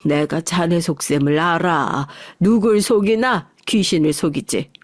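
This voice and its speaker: A woman's voice: lowish voice, unhurried, no echo, studio quality. A woman voicing a stubborn older mother-in-law who defiantly feigns innocence in a radio story reading.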